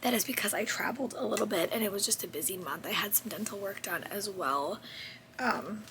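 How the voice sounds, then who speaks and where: A woman in her thirties with a sore, hoarse voice, half-whispering through a chatty book wrap-up vlog. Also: medium pitch, fairly quick, background noise. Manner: chatty, rambling with self-corrections. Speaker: book vlogger. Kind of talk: casual book wrap-up chat.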